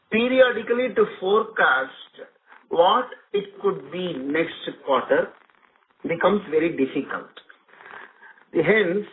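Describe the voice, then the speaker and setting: A man with an Indian accent giving measured, formal answers as a company executive on an earnings call. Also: high-pitched. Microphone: conference phone call. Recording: narrow phone line with clear noise.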